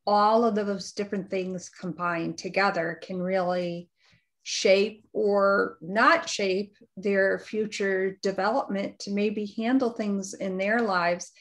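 A woman's voice: mid-range voice, fairly even intonation, slow. Upbeat woman podcast host. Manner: upbeat, appreciative, praising the guest. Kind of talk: casual interview hosting.

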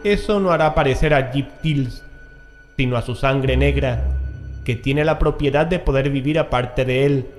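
A man with a medium-pitched voice reads from an occult text in a horror audiobook. Music plays faintly behind the scripted reading. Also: normal speed. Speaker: audiobook reader.

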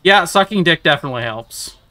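A man streaming a game, talking casually with chat and breaking into loud playful rants. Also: fairly high pitch, expressive, a little fast. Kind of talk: casual live-stream chat while gaming.

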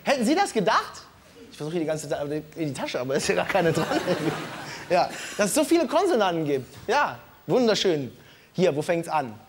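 A man's voice: high voice, wildly swooping pitch, a little fast, slight background noise. A man hosting a late-night comedy show, explaining the rules with mock earnestness to a live studio audience. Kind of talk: comic studio presentation.

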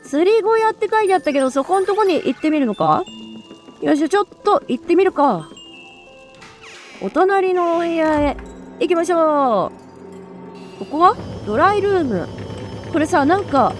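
A woman streamer giving excitable, chatty commentary while playing a video game, full of quick exclamations. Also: high-pitched. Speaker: let's play streamer. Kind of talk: live gameplay commentary.

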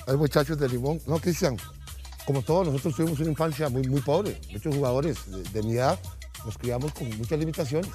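A man's voice: medium pitch, fairly quick, faint music behind. A middle-aged Costa Rican man casually telling an anecdote, acting out the people in it. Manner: animated, acts out voices in his stories. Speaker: guest storyteller.

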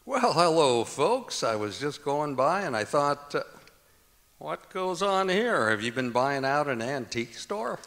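Man playing an animated, slick radio announcer. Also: on the high side, measured pace, exaggerated voice. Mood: genial, selling. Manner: polished salesman patter. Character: genial, slick radio announcer plugging a product. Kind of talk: 1940s radio acting. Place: auditorium stage, live performance. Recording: reverberant auditorium stage.

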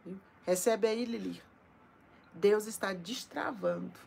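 A woman's voice: mid-range voice, slow pace, vocal fry, darkish tone, a little hiss or hum. A woman with a Brazilian Portuguese accent preaching on a live stream from her home into a phone, chatty and tagging her lines with little checks to her listeners. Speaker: evangelical preacher. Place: at home, indoors. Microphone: phone held in front of her.

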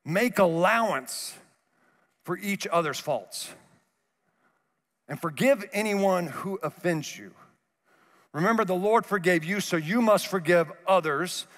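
A man in his thirties preaching a sermon on a church stage through a headset mic, animated and moving around, dropping to a soft low voice for emphasis. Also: slow pace, pauses often. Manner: animated, gestures widely while pacing the stage. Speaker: pastor. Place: large church auditorium stage. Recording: reverberant hall, faint music.

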